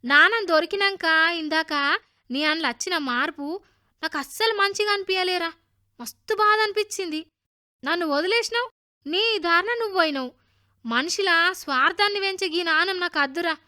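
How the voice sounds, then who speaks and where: A woman's voice: extremely high pitch, moderate pace, bright, forceful tone, voice pushed up. A woman voicing an honest, caring village boy with a Telangana accent who speaks earnestly in a children's radio story. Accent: Telangana Telugu. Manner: earnest, pleading.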